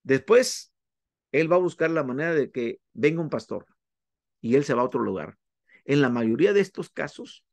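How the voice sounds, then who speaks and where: A man teaching a class, working through his points methodically and listing items one at a time with pauses. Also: mid-range voice, gravelly, darkish tone, no echo. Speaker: instructor. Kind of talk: classroom lecture on church planting.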